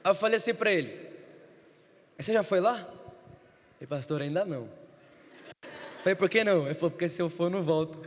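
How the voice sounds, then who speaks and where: A man's voice: high voice, fast, long pauses, a little hiss or hum. A man, a pastor, preaching an emphatic storytelling sermon in a church. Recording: church hall reverb.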